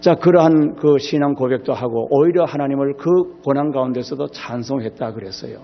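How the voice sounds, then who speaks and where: Man, pastor, revival sermon, breathy voice, muffled dull recording, loud then soft delivery. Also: brisk, big-room sound. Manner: emphatic, swings between loud exclamations and soft low asides. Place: church sanctuary.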